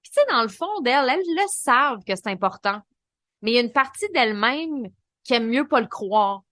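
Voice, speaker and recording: A woman with a Québécois French accent hosting a solo podcast, coaching in a lively, colloquial way. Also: fairly high pitch, normal speed, no echo, studio quality. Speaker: podcast host and business coach.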